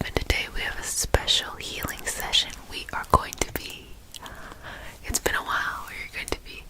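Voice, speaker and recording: A woman speaking in a breathy, unvoiced whisper, giving gentle, encouraging ASMR talk as a host and energy healer. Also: rough recording.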